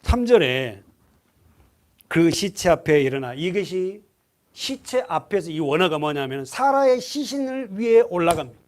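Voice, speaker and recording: A man's voice: high-pitched, measured pace. A male pastor preaching a sermon to his congregation, asking them questions and acting out voices. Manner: lively, asks the congregation questions, acts out voices.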